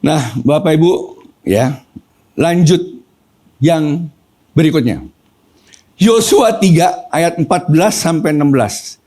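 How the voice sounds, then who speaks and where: A man's voice: on the high side, expressive, slow pace, long pauses, dark tone. A middle-aged man preaching a sermon, telling personal stories and acting out quoted voices as he addresses the congregation. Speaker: pastor.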